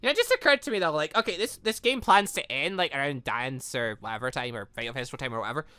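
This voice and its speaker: A man's voice: mid-range voice, expressive, quick pace, bright, forceful tone, clean tone, dry recording. A man giving rambling commentary on a visual novel game, exclaiming and breaking off mid-sentence. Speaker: gaming channel host, let's player.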